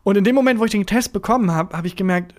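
A man's voice: sits high, racing. A man who is a native German speaker, telling anecdotes casually as a podcast host and acting out quoted speech.

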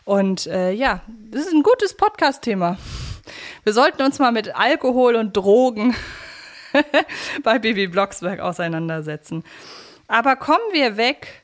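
A woman's voice: fairly high pitch, animated, unhurried. A woman co-hosting a podcast, talking casually and analytically in a reflective, elaborating way. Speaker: podcast co-host. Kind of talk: casual analytical podcast talk about an audio drama series.

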